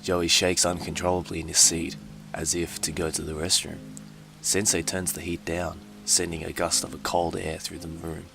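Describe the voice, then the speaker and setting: A man's voice: sits low, flat delivery, normal speed, gravelly. A man giving a hammy, mock-dramatic comedic reading of fan fiction as narrator, with music behind him.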